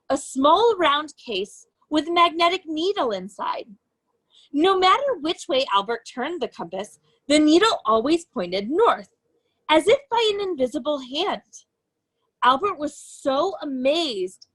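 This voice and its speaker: A high-voiced woman reads a picture book aloud to small children in a rough recording. She sounds very lively, her pitch climbing and dipping a lot, and she paces each sentence deliberately, leaning on important words the way a teacher would when telling a story.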